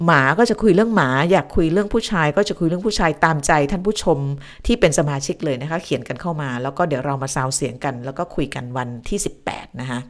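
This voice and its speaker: A woman's voice: lowish voice, a little mellow. A woman hosting a news live stream from home, summing up the news and then chatting with viewers and thanking them by name. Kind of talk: casual live-stream news talk, reading viewer comments.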